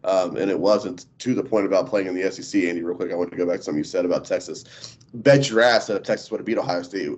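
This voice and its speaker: A man's voice: low voice, fast. A man co-hosting a sports podcast, blunt and profane, with frequent filler ums. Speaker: podcast co-host. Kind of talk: casual sports chat. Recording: dull lo-fi podcast audio.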